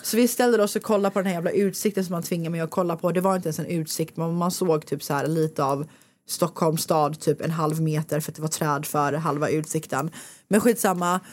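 A woman, a podcast host talking casually and telling a story in a lively way, acting out what others said. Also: fairly low pitch, no room sound. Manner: animated storytelling, acting out quotes. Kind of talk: casual chat.

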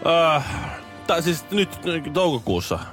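A man's voice: on the high side, big pitch swings, fairly bright tone, faint music behind. A man in his thirties co-hosting a morning radio show, talking in a hesitant, rambling way. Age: 30s. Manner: hesitant, rambling, many restarts. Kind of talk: casual radio chat. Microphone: studio microphone.

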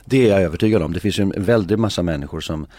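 Middle-aged man, very low voice, husky, hesitant, philosophical, dry sound. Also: mellow, dry recording. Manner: hesitant, many filler sounds; musing, philosophical. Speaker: interview guest. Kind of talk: reflective conversation.

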